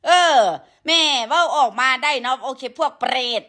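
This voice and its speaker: A woman's voice: high voice, fairly even intonation, normal speed, sharp tone. A woman with an Isan Thai accent and a sore throat from a cold, ranting crudely and scolding at length in a live stream, with many fillers. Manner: crude, scolding, heavy with profanity; peppers talk with fillers. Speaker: livestreamer addressing followers.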